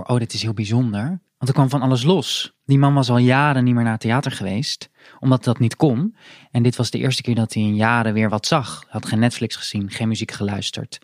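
A man co-hosting a podcast, telling a story in a calm, measured way. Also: mid-range voice, no room sound, studio quality. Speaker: podcast co-host. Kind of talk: conversational storytelling.

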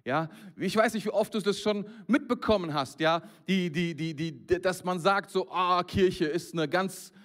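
High-voiced man preaching a sermon. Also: normal speed, few pauses. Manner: lively preaching with frequent restarts, addressing the congregation directly. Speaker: pastor. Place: church service with a congregation present.

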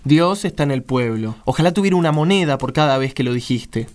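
An actor playing a bitter, sarcastic poor young villager in a radio drama, with an Argentine accent. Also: male voice, a little high, animated, brisk, close to an everyday voice. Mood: sarcastic, defiant. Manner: sarcastic, argumentative, exclamatory. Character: bitter poor young Galilean man, mocking, hard-drinking.

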